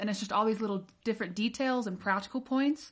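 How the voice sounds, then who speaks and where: A woman talks at a very fast pace with a medium pitch. Her somewhat breathy voice keeps fairly even intonation. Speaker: panelist reading scripture. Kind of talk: scripture reading and discussion.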